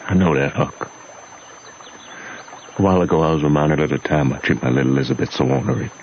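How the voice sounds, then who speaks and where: A gentle runaway father with a very deep voice and a folksy Southern drawl. He speaks with heavy sorrow, in old radio drama style. The recording is muffled with faint noise. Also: creaky. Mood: remorseful. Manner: folksy rural dialect, drawn-out lamenting.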